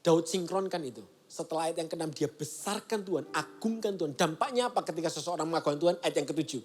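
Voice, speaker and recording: A man's voice: a little high, fast. A male pastor giving a casual, conversational sermon and acting out the voices he quotes. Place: church service broadcast.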